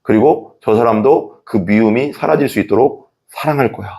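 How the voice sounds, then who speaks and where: A man's voice: mid-range voice, moderate pace. A man in his thirties preaching a sermon as a pastor, acting out quoted thoughts with laughs. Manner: lively, acts out quoted inner thoughts with laughs.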